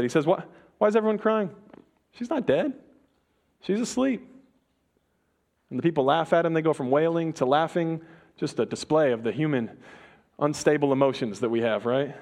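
Casual, quick-talking young male preacher. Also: fairly high pitch, darkish tone. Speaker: pastor. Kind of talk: sermon.

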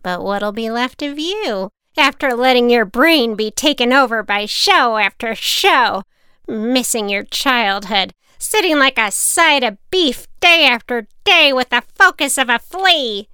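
A woman's voice: fairly high pitch, animated, measured pace, pushed and bright, smooth, dry recording, studio quality, voice pushed up. A woman voicing a harsh, scolding old woman who lectures a boy with scorn. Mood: scornful.

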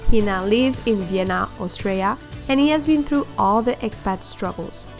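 A woman's voice: medium pitch, moderate pace, faint music behind. A woman hosting a podcast interview in English, speaking in an upbeat, chatty way. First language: French. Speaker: podcast host.

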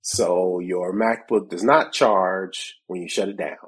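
Slow and husky, his low voice keeps a fairly even intonation as he co-hosts a tech podcast casually. A bit congested from a cold, the man laughs often and acts out both sides of conversations.

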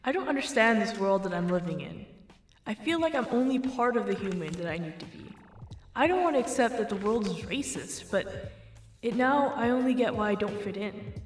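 A woman's voice: mid-range voice, lively intonation, a little fast, lightly acted. A woman as an earnest, questioning young woman. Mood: reflective. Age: young adult. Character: young mixed-race woman, searching and earnest.

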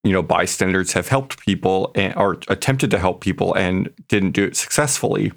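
Low, gravelly man chatting on a podcast. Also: normal speed. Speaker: podcast co-host. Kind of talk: casual podcast chat.

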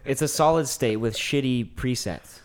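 A man's voice: mid-range voice, moderate pace. A young man co-hosting a casual podcast, loose and jokey, laughing and swearing often. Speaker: podcast co-host, band member. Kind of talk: casual chat.

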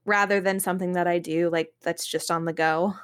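A woman's voice: on the low side, fairly even intonation, a little fast, smooth. A woman co-hosting a podcast in casual chat, talking in an informal, conversational way. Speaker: podcast co-host and games writer.

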